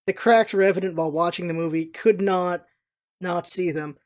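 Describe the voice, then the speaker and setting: A vlogger speaks off the cuff in a middle-pitched voice. The delivery is informal and opinionated, wandering from point to point like a casual chat about entertainment. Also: fairly even intonation, moderate pace. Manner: rambling, opinionated, informal with mild swearing. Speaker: video blogger giving movie opinions. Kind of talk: casual unscripted movie review chat.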